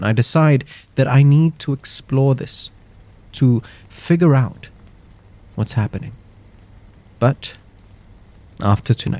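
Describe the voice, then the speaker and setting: Somewhat breathy, a man's voice carries a dark, mellow tone and fairly even intonation. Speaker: horror story narrator. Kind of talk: scripted horror story narration, first-person, told in a hushed spooky tone. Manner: slow, suspenseful, building dread with measured pauses.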